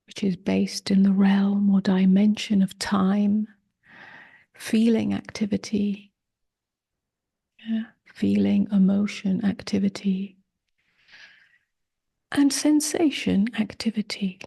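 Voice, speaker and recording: A woman guides a meditation in a soft, mellow voice that often drops close to a whisper. Her delivery is very unhurried, with gentle short phrases and long pauses. There is a noticeable creak at the edges of her words. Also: mid-range voice, steady tone. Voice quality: soft, breathy, husky, often near a whisper. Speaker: meditation teacher. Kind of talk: guided meditation, slow and spoken softly.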